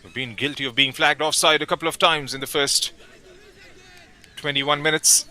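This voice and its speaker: A man giving live play-by-play football commentary, calling names and passes in steady, measured phrases. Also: a little high. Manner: steady, measured calls with brief pauses between names.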